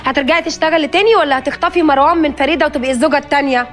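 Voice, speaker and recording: A sarcastic, sharp-tongued young woman with an Egyptian accent. Her high voice fires off jabs very fast over faint music. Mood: taunting. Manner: sarcastic, taunting. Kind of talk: TV drama acting.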